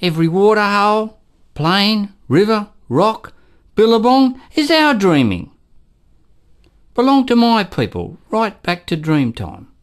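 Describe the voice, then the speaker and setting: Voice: medium pitch, big pitch swings, unhurried. An actor playing a defiant Aboriginal elder in a radio play, speaking in an emphatic, declamatory manner. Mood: defiant, proud. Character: defiant Aboriginal elder addressing a white settler. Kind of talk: dramatic radio play monologue.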